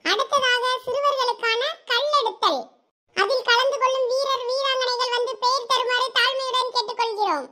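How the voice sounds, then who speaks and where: A woman with a Thoothukudi Tamil accent voicing a formal announcer at a village sports meet in a cartoon, calling out races slowly from a distance. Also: very high-pitched, voice pushed up. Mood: formal announcing. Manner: formal, slow, announcing over a loudspeaker. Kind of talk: cartoon voice acting.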